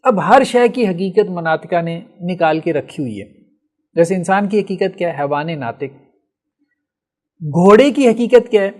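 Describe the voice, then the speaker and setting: A man with a high voice lectures on logic to his class. He moves patiently through each point, posing questions and answering them himself, and often stops to check that the students follow. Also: lively intonation. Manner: explains step by step, asks and answers his own questions; often checks with "theek hai". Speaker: teacher of logic.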